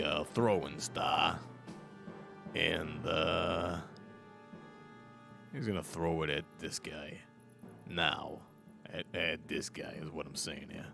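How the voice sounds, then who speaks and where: A man playing a tabletop game, chatting casually and explaining his rules reasoning out loud. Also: very deep voice, gravelly. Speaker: player.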